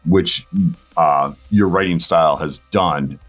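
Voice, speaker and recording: A man talking casually as an interview guest, thinking aloud in short, halting phrases. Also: low voice, fairly bright tone. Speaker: voice actor and director, interview guest. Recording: music behind the voice. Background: background music.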